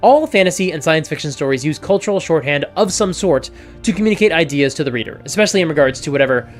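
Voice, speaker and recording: A man's voice: fairly high pitch, lively intonation, fast, faint music behind. A man giving an articulate explanatory video commentary, building an argument with small asides. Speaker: video essayist.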